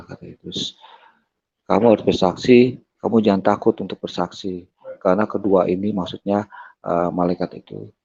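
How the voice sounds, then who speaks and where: A man telling his personal testimony, hesitant and pausing often on fillers. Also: on the low side, vocal fry, a little mellow, husky. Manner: hesitant, strings events together with many fillers. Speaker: guest giving a testimony. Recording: dull lo-fi recording.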